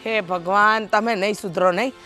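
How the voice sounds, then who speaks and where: An actress with a Kathiyawadi accent playing a sharp-tongued village housewife who argues and complains in an exasperated way. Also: female voice, medium pitch, steady tone, normal speed, soft background music, natural voice. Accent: Kathiyawadi Gujarati. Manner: exasperated, nagging. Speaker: wife and sister-in-law. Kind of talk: village family drama acting.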